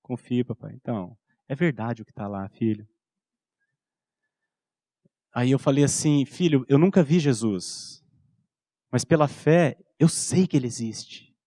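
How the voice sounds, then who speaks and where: A Brazilian pastor in his thirties preaches in an intimate storytelling way, dropping his voice low when he acts out bedtime talk with his son. His voice sits in a middle pitch. The sound is dry and close, with no room echo. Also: animated, unhurried, pauses often, mellow. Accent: Brazilian Portuguese. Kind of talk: sermon.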